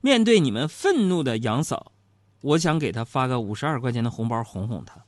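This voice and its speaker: A man's voice: medium pitch, sing-song, fairly quick, no room sound. A middle-aged man, hosting a talk show and telling funny stories about his married life in a chatty, teasing way. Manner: joking, teasing, chatty storyteller. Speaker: radio-style program host. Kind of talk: humorous storytelling talk show.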